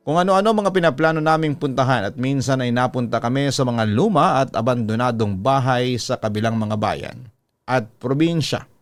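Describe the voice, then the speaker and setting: A man's voice: mid-range voice, no echo. A man with a Filipino accent narrating a scripted first-person horror story, reading out a letter as the storytelling host. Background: background music.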